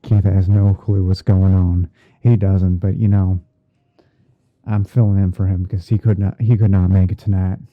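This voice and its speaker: Man playing a low-voiced, gentle painting instructor, muffled. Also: little pitch movement, moderate pace, natural voice. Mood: gentle, easygoing. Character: gentle male TV painting instructor, soft-spoken and easygoing. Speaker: livestream host. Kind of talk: ASMR roleplay livestream while editing images.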